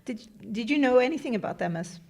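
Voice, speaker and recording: A woman in her forties, from Sweden, chatting casually and reflectively on a podcast, with relaxed fillers and small laughs. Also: on the high side, quick pace. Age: 40s. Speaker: podcast guest working for an MS charity. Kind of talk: casual conversation.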